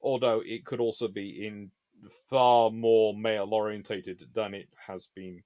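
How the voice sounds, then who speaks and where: A man's voice: on the low side, steady tone, measured pace, no echo, phone-quality sound. A man hosting a casual live question-and-answer session, talking in a rambling, discursive way and often correcting himself. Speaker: host answering viewer questions on naval history.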